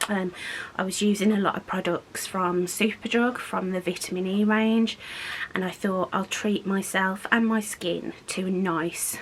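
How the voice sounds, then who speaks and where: A woman's medium-pitched voice, fairly slow and flat, monotone over noticeable background noise. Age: 30s. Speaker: beauty vlogger. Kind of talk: casual vlog talk.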